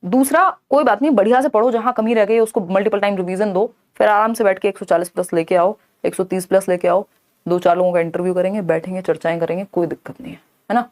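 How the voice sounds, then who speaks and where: A young woman teaching a live online exam-prep class, reading questions aloud slowly and answering viewers by name in a chatty, tired way. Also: medium pitch, steady tone, a little mellow. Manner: explains in Hindi mixed with English, reads questions aloud slowly.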